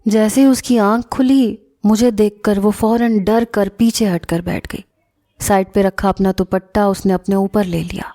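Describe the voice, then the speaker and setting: A woman narrating a first-person story in a calm, measured storytelling manner. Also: medium pitch, no room sound, studio quality. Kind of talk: scripted narration.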